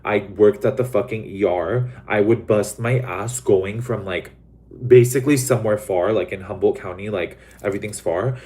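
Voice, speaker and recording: Young guy from LA rambling on a livestream, kinda low voice, tons of likes and ums, swears casually. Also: moderate pace, dark tone. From Los Angeles, USA. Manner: rambling, many fillers like "like" and "um". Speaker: livestream host. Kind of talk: casual chat to live viewers.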